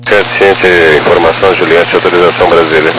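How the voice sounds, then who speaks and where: A man's voice: low-pitched, level tone, brisk, music in the background. A male pilot over a walkie-talkie style aviation radio, giving terse, clipped readbacks in radio phraseology. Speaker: airline pilot. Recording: noisy distant radio transmission.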